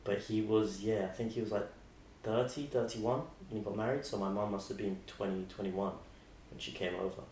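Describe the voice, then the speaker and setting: A man's voice: on the low side, fairly even intonation, fairly quick, darkish tone. A man, hosting a podcast in casual, rambling chat with many restarts. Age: 20s. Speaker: podcast host. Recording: roomy sound with faint noise.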